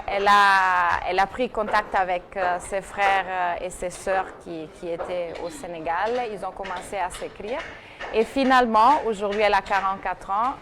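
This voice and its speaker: Woman on a tv talk show telling a story, lots of euhs and restarts, faint background noise. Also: medium pitch. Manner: hesitant, many fillers and restarts. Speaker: TV segment presenter. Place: TV studio. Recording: TV studio broadcast with faint noise.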